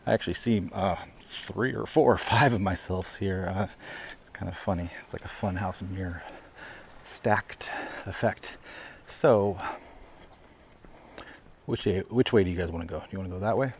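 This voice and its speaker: A man with a fairly low voice talks his way through a casual walking vlog, chatty and rambling, often laughing at himself. He sounds slightly out of breath as he walks outdoors on city streets. The clip-on mic keeps his voice close, with faint traffic in the background. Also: normal speed, gravelly. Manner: rambling and chatty, with fillers and self-amused laughs. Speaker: vlogger. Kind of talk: casual walk-and-talk vlog. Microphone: lavalier mic while walking.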